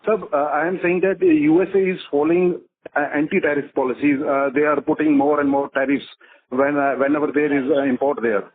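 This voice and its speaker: A man's voice: on the high side, little pitch movement, a little fast. A man, calling in as an investor and asking questions deferentially on a muffled line. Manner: deferential, addresses listener as sir. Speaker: individual investor caller. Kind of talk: caller question on earnings call. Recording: muffled narrow phone line.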